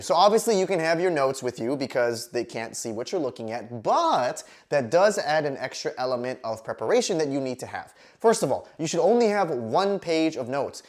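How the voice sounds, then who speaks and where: A woman presenting scripted career advice to camera, explaining point by point with clear emphasis. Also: sits low, darkish tone. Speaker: career advice host, recruiter. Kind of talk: scripted instructional video talk to camera.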